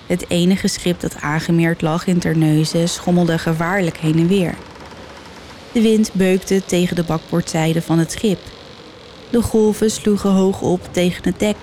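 A woman narrating a legend as a storyteller, reading in a measured, dramatic way. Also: on the low side, steady tone, dark tone, slight background noise. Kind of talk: scripted narration.

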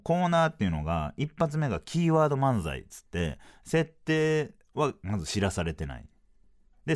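A man with a Kansai accent, hosting a podcast and telling a story in a casual, animated way. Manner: animated, sing-song delivery with swooping pitch. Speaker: podcast host, comedian.

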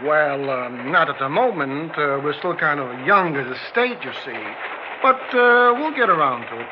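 Actor as lively, higher-voiced folksy train conductor. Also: male voice, normal speed, natural voice. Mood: wry. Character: easygoing, folksy male Alaskan train conductor. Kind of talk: old broadcast drama acting. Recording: muffled, noisy old drama soundtrack.

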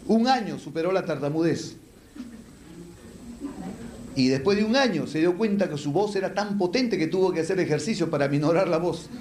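A man's voice: on the high side, expressive, normal speed, pauses often, a little mellow, a little hiss or hum. A man teaching public speaking to a live audience, asking rhetorical questions and answering them with lists. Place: lecture hall with an audience. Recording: echoey room.

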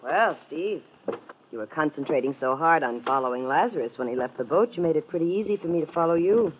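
A woman's voice: low-pitched, animated, fairly quick, a little hiss or hum. An American woman playing a cold, mocking gangster killer in a 1950s radio drama, with a taunting, slangy manner. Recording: dull vintage radio recording.

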